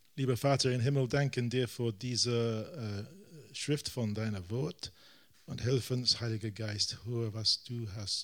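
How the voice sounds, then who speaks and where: Delivered at a very slow pace with fairly even intonation, the speech comes with an English accent. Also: man. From London, England. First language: English (speaking German). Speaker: Baptist pastor, guest preacher. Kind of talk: prayer; sermon delivered through an interpreter.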